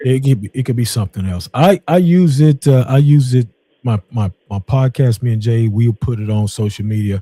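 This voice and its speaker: Man with an American accent, medium-pitched, somewhat breathy and dark, mellow in tone, at a moderate pace in a dry, close sound with no echo. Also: ordinary pitch variation. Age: 50s. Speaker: podcast host. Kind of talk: casual interview chat. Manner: halting, many repetitions.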